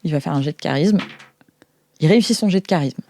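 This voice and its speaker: A woman with a French accent improvising narration as game master of a tabletop role-playing game, thinking aloud in halting phrases. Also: low-pitched, animated, dark tone. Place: studio.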